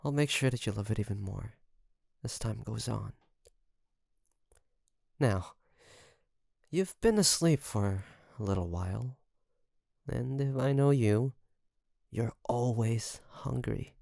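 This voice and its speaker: A man playing an obsessive, doting kidnapper best friend in an intimate audio roleplay, creaky, coaxing and teasing with soft menace. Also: mid-range voice, animated, dry recording, clean studio sound. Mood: coaxing, smug. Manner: softly menacing, coaxing, teasing, with drawn-out phrases.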